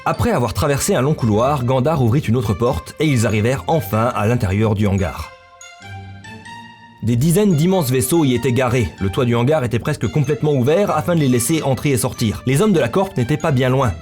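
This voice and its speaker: A man's voice: medium pitch, lively intonation, brisk, darkish tone. A man narrating a scripted story in literary prose as the narrator of a visual novel. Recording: music bed under the voice.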